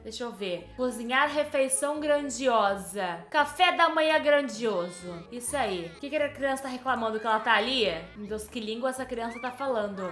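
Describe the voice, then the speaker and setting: A woman giving casual gameplay commentary, excitable and scolding and chatting with the game characters. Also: a little high, normal speed, hardly any pauses, echoey room. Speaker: gameplay host.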